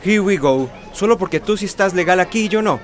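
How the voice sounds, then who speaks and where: A man's voice: sits high, expressive, a little fast, some chatter behind. An actor playing a dismissive young migrant man who mixes in English in a radio drama.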